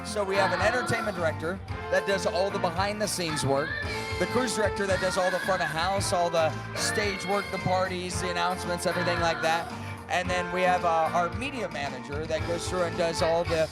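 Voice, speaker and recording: A man's voice: sits high, fairly even intonation, a little fast, poor audio. An upbeat man working as a cruise director, talking casually and animatedly in a live interview. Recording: loud music behind the voice. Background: loud music.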